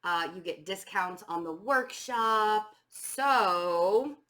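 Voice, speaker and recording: Hoarse, stuffy-voiced woman tarot reader. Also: medium pitch, expressive, extremely slow, bright, forceful tone. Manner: chatty, many fillers and restarts. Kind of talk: casual tarot reading.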